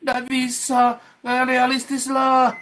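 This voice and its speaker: A man voicing a whiny male believer who grumbles and makes excuses, in a high, loud, drawn-out complaining tone. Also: monotone, slight background noise, exaggerated voice. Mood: whining, grumbling.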